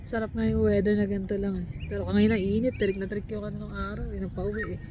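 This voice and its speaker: A woman's voice: medium pitch, quick pace, background noise. A Filipino woman vlogger, a cook, telling a story in a casual chat outdoors and acting out her coworkers' lines. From Philippines. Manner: animated, acts out coworkers' quoted lines. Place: outdoors at sunset.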